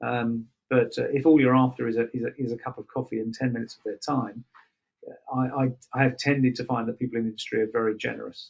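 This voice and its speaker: A man speaks at a very fast pace in an English accent. His medium-pitched delivery is monotone and flat. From England. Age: 50s. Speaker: maritime industry executive. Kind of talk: webinar Q&A. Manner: halting, many fillers and repeats.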